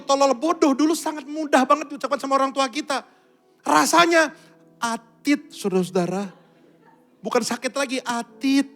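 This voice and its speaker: A man preaching a Sunday church sermon, telling stories to the congregation and swinging between quiet asides and loud, emphatic bursts. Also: extremely high pitch, vocal fry. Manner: keeps addressing the congregation directly. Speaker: pastor. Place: church service.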